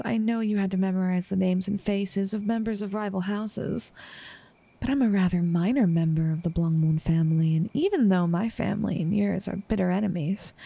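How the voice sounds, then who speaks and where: A woman playing an infatuated assassin in an intimate audio roleplay, composed and menacing yet tender, speaking softly and often slipping into whispers. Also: medium pitch, creaky, dry recording. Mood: calm, confiding. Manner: soft, unhurried delivery slipping often into whispers.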